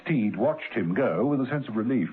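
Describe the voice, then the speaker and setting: A man's voice: medium pitch, expressive, moderate pace, lightly acted. A man giving scripted dramatic narration for a radio serial. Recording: muffled old radio recording, faint music.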